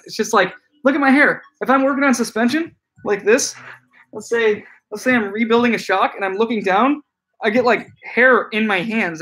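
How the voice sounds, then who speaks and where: A man's voice: high-pitched, a bit bright. A man in his late twenties, a bike shop owner, chatting loosely on a live stream and reading out viewer comments, with many fillers and restarts. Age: 20s.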